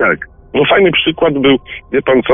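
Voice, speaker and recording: A man with a normal speaking voice. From Częstochowa, Poland. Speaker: caller sharing paranormal experiences. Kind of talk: testimony.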